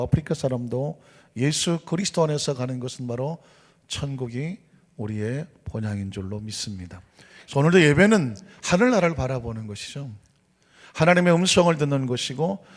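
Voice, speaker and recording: A man preaching in a church sanctuary, his fairly high voice edged with gravel. He speaks with emphatic call-and-response and drops playful storytelling asides. Long hall reverb and faint music sit behind him. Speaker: pastor. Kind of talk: sermon.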